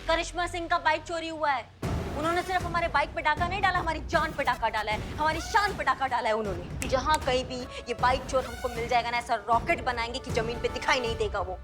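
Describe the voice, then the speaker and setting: A fiery, boastful young sub-inspector, played by an actress in a TV police comedy, swaggering and making threats. Her voice sits a little high, with clear music underneath. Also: fairly quick, lightly acted. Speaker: sub-inspector Karishma Singh. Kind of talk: TV serial acting.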